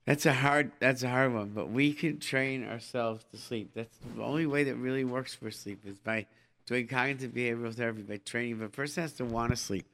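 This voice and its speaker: Man, middle-aged, mid-pitched, call-in show host, informal advice, repeated phrases, Hebrew and Yiddish expressions. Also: fairly quick, a bit bright. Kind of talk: conversational live call-in advice.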